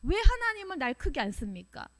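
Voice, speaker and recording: A woman's voice: big pitch swings, exaggerated voice. A woman preacher acting out an indignant churchgoer firing off complaints at God. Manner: shrill, rapid-fire complaining questions. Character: indignant resentful churchgoer demanding answers from God.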